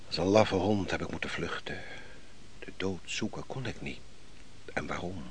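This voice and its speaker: Guy acting as beaten old-world general, really low slow voice, bitter n brooding, grave radio drama speech, noisy old recording. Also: close to an everyday voice. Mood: broken, bitter. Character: defeated army commander, weary, bitter, brooding and philosophical. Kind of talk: Dutch radio play acting.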